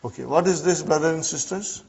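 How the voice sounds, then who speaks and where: A man's voice: on the high side, brisk, creaky, darkish tone, slightly rough. Lo-fi recorded Arabic teacher, man. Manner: checks in often with "huh?" and "brothers and sisters". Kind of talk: classroom grammar lesson. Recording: dull lo-fi classroom recording.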